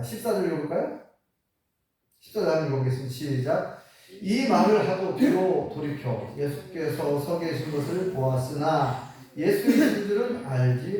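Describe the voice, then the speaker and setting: A man preaching a sermon as pastor, pushing his voice up high on the words he wants to stress. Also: darkish tone. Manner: emphatic preaching, rising high on key words. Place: church sanctuary. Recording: echoey church from far off.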